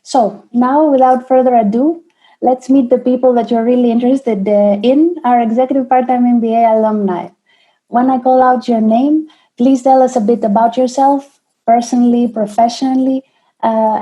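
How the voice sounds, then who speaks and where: Dark-toned Greek woman hosting webinar. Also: fairly high pitch, muffled recording. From Greece. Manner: measured, with frequent fillers and restarts. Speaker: webinar host, admissions manager. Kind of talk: hosting an online panel webinar. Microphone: video call.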